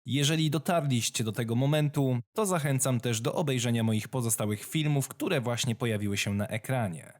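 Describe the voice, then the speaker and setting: A man's voice: medium pitch, brisk, few pauses. A man reading a scripted horror story as its narrator.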